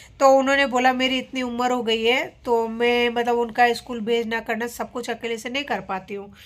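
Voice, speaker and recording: A woman with a high pitch speaks at a moderate pace in a weary tone, her intonation monotone and flat. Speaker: vlogger. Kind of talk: casual vlog chat, storytelling. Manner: weary, unwell voice lying in bed. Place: home room. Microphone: phone near.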